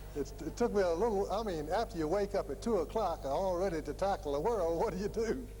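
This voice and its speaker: A man with a Virginia accent talks at a very fast pace in a high pitch, with hardly any pauses. His pitch variation is ordinary, and noticeable background noise is present. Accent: Virginia Southern. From Virginia (Lynchburg). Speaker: stockbroker and guest speaker. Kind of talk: speech to an audience.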